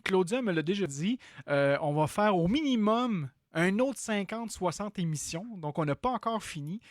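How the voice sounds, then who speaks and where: A man's voice: high-pitched, animated, normal speed, no room sound, studio quality. Chatty Québécois man host. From Quebec. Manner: hesitant, many fillers and restarts. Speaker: podcast host. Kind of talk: casual podcast chat.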